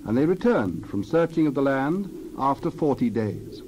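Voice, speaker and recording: A man narrating a dramatized scripture reading in measured, deliberate phrases. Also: mid-range voice, sing-song. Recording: dull, noisy recording with background ambience.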